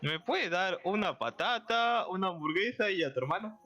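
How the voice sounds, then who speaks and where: Playful young man with lively pitch. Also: moderate pace, muffled recording, soft background music. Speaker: Minecraft roleplay player. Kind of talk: improvised in-character game chat.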